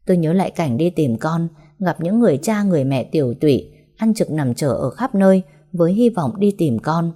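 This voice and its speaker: Mellow-voiced woman narrating a sorrowful story. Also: low voice, animated, brisk. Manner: sorrowful, heartfelt emotional reading. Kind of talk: first-person audiobook storytelling.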